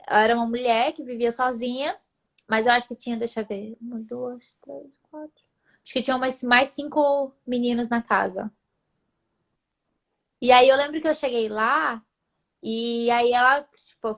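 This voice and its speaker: Young woman, casual guest. High, bright voice, an animated storyteller who climbs in pitch at the dramatic moments. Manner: animated storyteller, voice jumps up when retelling. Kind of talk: casual chat.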